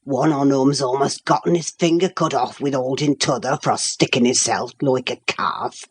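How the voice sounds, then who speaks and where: A woman voicing a gruff old male servant who speaks in broad Yorkshire dialect, slow and dour, in an audiobook reading. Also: rumbling low, voice pushed down, heavily acted. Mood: grumbling.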